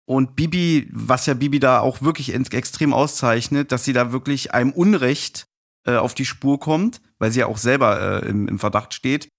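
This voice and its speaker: A man's voice: medium pitch, moderate pace, gravelly. A middle-aged man talking casually and reminiscing as a guest on a podcast.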